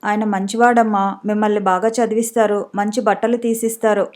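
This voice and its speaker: A woman narrator voicing Vasundhara, a gentle, worried young mother who speaks softly and earnestly, in a storybook reading. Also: medium pitch, level tone, fairly quick, lightly acted. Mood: tender.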